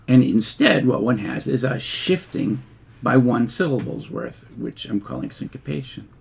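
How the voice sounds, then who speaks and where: Gravelly-voiced older man lecturing. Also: medium pitch, a little mellow. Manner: measured, explanatory, with frequent fillers and restarts. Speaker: linguistics lecturer. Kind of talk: recorded lecture narration over slides.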